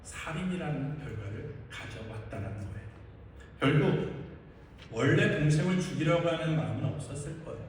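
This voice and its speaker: A man's voice: on the high side, animated, normal speed. Male pastor preaching in an echoey hall. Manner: asks the congregation questions and answers them. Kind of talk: sermon. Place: large church sanctuary. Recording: echoey hall, distant mic, faint noise.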